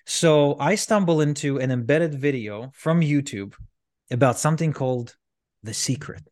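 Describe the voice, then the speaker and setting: A man from Ukraine talks at an ordinary pitch for a man, looping through his story with restarts and "um"s. He is an interview guest, and his voice sits close and dry with no room sound. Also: normal speed, darkish tone, no room sound. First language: Russian. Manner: rambling, frequent restarts and fillers. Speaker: podcast guest, entrepreneur.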